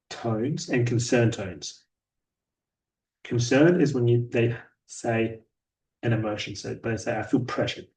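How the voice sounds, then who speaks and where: A man giving a daily sales progress report in a flat, somewhat robotic, monotone delivery. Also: medium pitch. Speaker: sales rep vlogger. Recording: voice a bit distant from mic.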